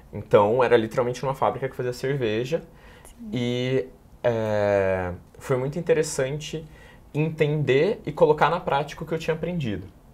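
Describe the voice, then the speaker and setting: His intonation lively, a man speaks at a medium pitch. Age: 20s. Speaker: corporate manager; interview guest. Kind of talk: interview. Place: studio. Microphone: lapel.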